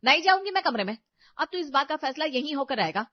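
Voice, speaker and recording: A woman's voice: sits high, expressive, a little fast, no echo. A woman voicing a spoiled, haughty young bride in a cartoon story who is rude and sarcastic to her mother-in-law. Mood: demanding. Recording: dry, slightly dull audio.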